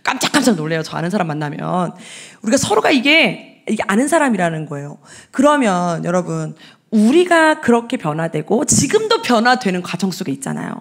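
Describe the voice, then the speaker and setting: A woman evangelist in her forties giving a lively, humorous seminar talk to Sunday school teachers in a church, acting out voices as she goes. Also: mid-range voice, fairly quick.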